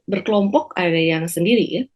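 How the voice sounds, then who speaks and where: A woman psychiatrist explaining slowly on a talk show, with frequent pauses and fillers. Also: lowish voice, a little mellow, highs cut off. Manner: measured, many hesitation fillers. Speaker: psychiatrist guest.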